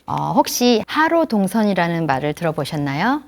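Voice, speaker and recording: A woman lecturing grandparents in a gentle, explanatory way, often asking the audience questions. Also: lowish voice, very animated, moderate pace.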